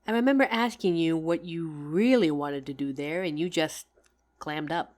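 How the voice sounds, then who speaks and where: Woman acting a loving, low-voiced career-woman wife. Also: normal speed, a little mellow, natural voice. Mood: fond teasing. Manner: tender, teasing, conversational. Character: loving, tired career-woman wife talking to her househusband. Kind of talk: intimate roleplay audio, scripted monologue.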